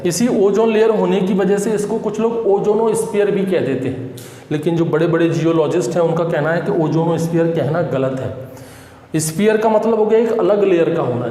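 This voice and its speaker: Male teacher, fairly high voice, question-and-answer lecture style, reverberant classroom. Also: mellow. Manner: asks the class questions and answers them himself. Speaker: agriculture exam teacher. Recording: echoey room with long reverb.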